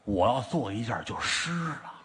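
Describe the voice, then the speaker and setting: A man's voice: medium pitch, very animated, normal speed, background noise. A man performing crosstalk comedy, telling a teasing story in a sly way. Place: theater stage before a live audience. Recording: reverberant live theater sound.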